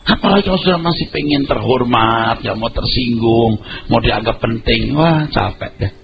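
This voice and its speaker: A man's voice: medium pitch, normal speed, creaky, noisy background. Emphatic preaching man, lo-fi sound. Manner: emphatic, conversational preaching with colloquial asides. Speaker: pastor. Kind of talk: sermon. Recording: dull lo-fi audio with music behind. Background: background music.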